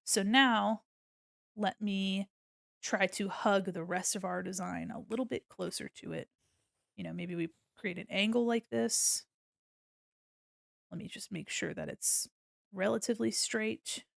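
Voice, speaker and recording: A woman's voice: medium pitch, unhurried, creaky, pauses often, dry recording. A woman at a home stream walks through logo design references, chatty and loose with plenty of ums. She is a bit sniffly, and her mid-range voice sits close and dry with no room around it. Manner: chatty, many ums and restarts, explaining while drawing. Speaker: streamer giving art critique. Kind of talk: casual art tutorial walkthrough.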